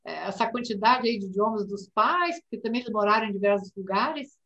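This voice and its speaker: A woman's voice: mid-range voice, brisk, a bit bright, recorded from a distance, highs cut off, slight background noise. A woman moderating a talk, emphatic and repeating words for stress. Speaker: moderator, music teacher.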